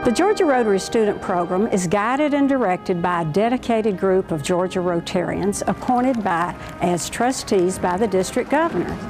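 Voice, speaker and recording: A woman giving scripted narration for a promotional video in an even, informative way. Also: mid-range voice, normal speed, few pauses, low-quality recording. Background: music.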